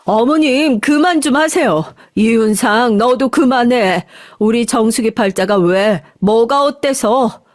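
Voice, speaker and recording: A woman's voice: mid-range voice, normal speed, dry recording, clean studio sound, close to an everyday voice. A woman voicing a fierce, protective middle-aged mother who stands up for her daughter. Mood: indignant. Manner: shouting, indignant.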